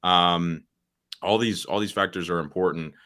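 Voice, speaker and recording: A teenage man with a very low, deep voice. He speaks plainly and gets straight to the point, often restarting his sentences and filling pauses with "um" as he explains in a casual podcast chat. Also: fairly even intonation, bright, forceful tone. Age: teens. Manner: straightforward, with frequent restarts and fillers. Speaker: guest, social media agency founder.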